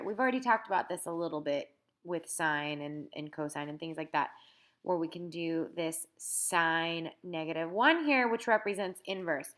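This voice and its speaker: A woman's voice: lowish voice, fairly bright tone. A woman teacher with a congested, sniffly voice, patiently explaining a recorded math lesson over her scanned notes and checking in with "okay?" as she goes.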